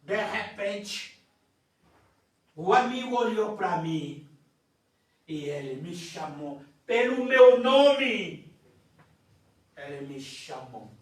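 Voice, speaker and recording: A male preacher tells his testimony in a slow, high voice that climbs and falls sharply. He moves from shouting to near-whispers. The sound comes from far off in a very echoey church hall. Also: very animated. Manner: swings between shouting and hushed telling. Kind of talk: sermon testimony. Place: church sanctuary.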